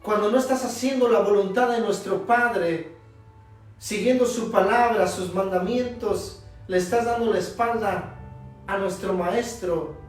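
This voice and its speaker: A man preaching a sermon as pastor, emphatic and leaning on long pauses. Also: high voice. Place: church sanctuary. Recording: echoey church, distant mic, soft instrumental music.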